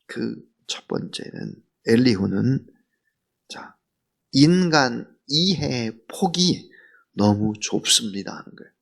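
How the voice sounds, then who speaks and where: A man preaching an early-morning sermon as pastor, earnest and full of rhetorical questions, swinging from loud emphasis to near whisper. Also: mid-range voice, lively intonation, takes it slowly, gravelly.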